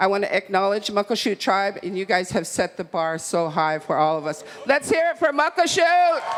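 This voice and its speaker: With hardly any pauses, the speech moves at a moderate pace over noticeable background noise. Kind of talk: ceremonial speech.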